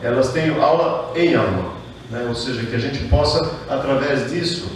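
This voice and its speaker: A man's voice: medium pitch, normal speed, recorded from a distance, a little hiss or hum. Middle-aged man speaking in an echoey hall. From southern Brazil. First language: German. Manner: earnest, greets dignitaries one by one, with fillers. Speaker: mayor. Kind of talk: formal ceremony speech. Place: large reverberant hall, indoors. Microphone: podium microphone heard from a distance.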